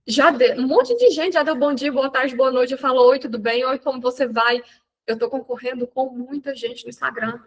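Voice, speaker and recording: A Brazilian Portuguese-speaking woman mentoring an audience in a live online talk, chatty and animated, often restarting her sentences. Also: on the high side, rough recording.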